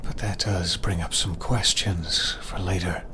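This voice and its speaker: Male tabletop player, low register, casual in-character delivery, faint ambience behind. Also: steady tone, measured pace, sharp tone, a little hiss or hum. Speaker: player in a tabletop roleplaying game. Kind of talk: casual roleplay and first-person narration.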